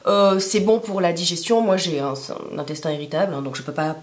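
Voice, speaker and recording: A woman with a hoarse smoker's rasp being sick, chatting casually to camera in a rambling, self-deprecating way full of asides. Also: fairly low pitch, expressive, a little fast. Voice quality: raspy smoker's rasp from illness. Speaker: YouTube vlogger.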